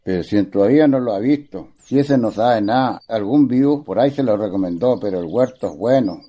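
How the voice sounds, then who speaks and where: A man's voice: lowish voice, a little fast, mellow, lightly acted. An actor playing a bold, easygoing young country man in a radio play, casual and teasing, with a rural Chilean accent. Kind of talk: stage-style radio play acting.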